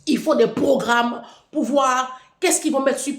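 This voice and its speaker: A vlogger with a high-sitting voice delivers a taunting, provocative rant to camera at a measured pace, mocking as she goes. She's in a room in France, and the recording is echoey.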